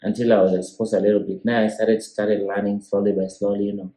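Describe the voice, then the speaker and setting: Talking fast in a warm, lowish voice with little pitch movement, this Kenyan-accented business owner chats easily as a guest in a casual interview, sometimes restarting hesitantly. He's in a room in Kenya, and the sound is echoey.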